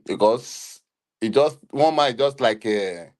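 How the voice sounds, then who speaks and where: A man from Nigeria speaking haltingly with many pauses as a panelist in a live online discussion. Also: mid-range voice, expressive. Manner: halting, hesitant, many fillers. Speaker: panelist on a live audio show.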